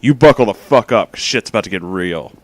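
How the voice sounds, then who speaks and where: This host reads fan fiction out loud in a relaxed, comedic storytelling style. His fairly low voice is animated and brisk, with no echo, and he leans into an emphatic, dramatic delivery.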